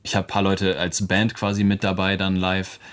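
Laughing often, a twenty-something musician guest gives casual, chatty answers in a relaxed radio interview, English being his first language. He speaks at a moderate pace in a low-pitched, monotone voice with a fairly bright tone.

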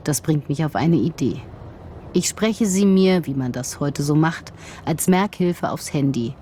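A woman narrating a personal documentary in a calm, measured, reflective first-person voice. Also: low voice, a little hiss or hum. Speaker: journalist and narrator.

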